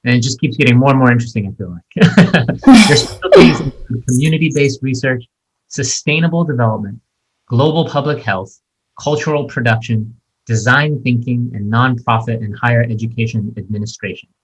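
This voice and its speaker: Husky-voiced male podcast host. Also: mid-range voice, fairly quick, poor audio. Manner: enthusiastic, chatty with fillers. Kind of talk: podcast interview.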